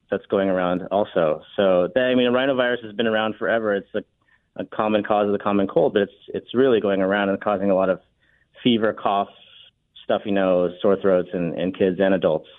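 A male doctor calls in to the show and explains things calmly and plainly. His voice is low and steady. It comes through a thin, tinny phone line. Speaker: emergency room doctor, guest. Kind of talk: phone-in interview.

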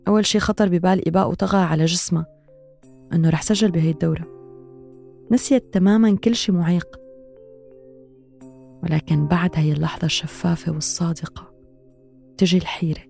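A woman with a Levantine Arabic accent narrates a podcast in a reflective, introspective way. Her voice is low and gravelly and her delivery is quick. Soft music plays behind her. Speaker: podcast host. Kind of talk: scripted narration.

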